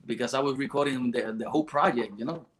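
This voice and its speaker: Male podcast host, easygoing chatty storyteller, middle pitch. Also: fast, slight background noise. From Puerto Rico. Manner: relaxed storytelling with fillers and restarts. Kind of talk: casual chat.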